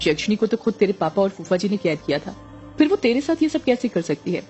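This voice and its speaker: A woman's voice: mid-range voice, very animated, quick pace, darkish tone, soft background music, natural voice. A woman voicing a bossy, scheming middle-aged witch mother who scolds and gives orders. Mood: stern. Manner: scolding, commanding.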